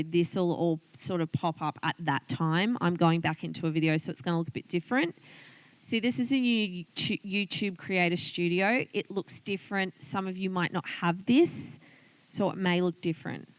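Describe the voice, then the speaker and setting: A clean, dry recording of a woman with an Australian accent and a smooth, clear voice. She teaches in a chatty, informal way, thinking out loud as she walks through each step. Her pitch sits on the low side. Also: moderate pace, no echo. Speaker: online business coach teaching video tips. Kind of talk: informal tutorial, talking through a screen demonstration.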